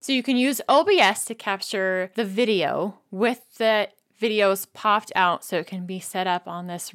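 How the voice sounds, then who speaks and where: A woman's voice: mid-range voice, a bit bright. A woman co-hosting a tech podcast, explaining in an upbeat, chatty way. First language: not French. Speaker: podcast co-host. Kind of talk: casual tech podcast chat.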